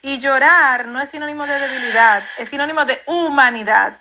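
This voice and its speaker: A woman therapist answers interview questions about grief, explaining calmly and reassuringly. Her voice is high and bright, and she sets out her points in a steady, explanatory way. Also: brisk, lo-fi sound, a little hiss or hum.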